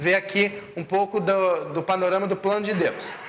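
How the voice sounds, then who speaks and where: A man is talking. There is noticeable background noise behind him. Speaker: Bible teacher. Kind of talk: lecture. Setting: church garage classroom. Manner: animated.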